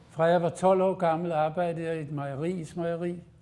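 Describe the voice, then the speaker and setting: A man speaks at a fairly slow pace. His voice is high in pitch, with a dark, mellow tone. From Denmark, Copenhagen. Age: 80s+. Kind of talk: talk to school pupils.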